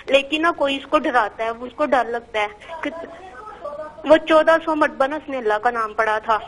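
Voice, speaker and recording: A woman's voice: sits high, a bit bright, low-quality recording. A woman calling a religious show who asks her question in a hesitant, rambling way full of fillers. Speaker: caller. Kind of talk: phone-in question.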